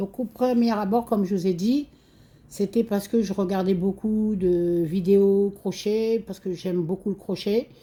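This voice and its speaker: In a dark, mellow tone, a woman speaks at a very slow pace and a medium pitch. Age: 60s. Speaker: cross-stitch and crochet vlogger, lab technician. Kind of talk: casual vlog, tag video self-introduction. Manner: hesitant, many fillers; talkative.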